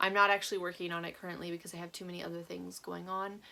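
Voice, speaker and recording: Bright, sharp tone from a woman at a medium pitch. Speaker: knitting podcaster and sheep farmer. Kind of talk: casual chat. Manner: fast; hesitant, many fillers.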